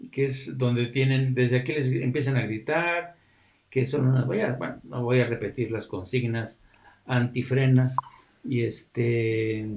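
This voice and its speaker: A man's voice: medium pitch, a little mellow, roomy sound. A man hosting a live show, talking casually and rambling with many fillers. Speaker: host.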